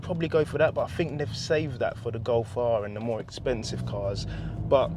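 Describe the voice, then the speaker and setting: A man's voice: medium pitch, fairly even intonation, fairly quick. A middle-aged man reviewing a car as he drives, chatty and enthusiastic, with a joking, self-mocking manner. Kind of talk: casual driving review. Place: inside a car while driving in the wet. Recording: road and rain noise from the car.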